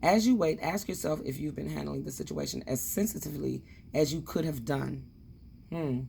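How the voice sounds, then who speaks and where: Room echo is audible as the woman talks at a moderate speed. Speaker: spiritual oracle card reader. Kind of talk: casual spiritual talk; reading aloud from a card guidebook. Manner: blunt tone.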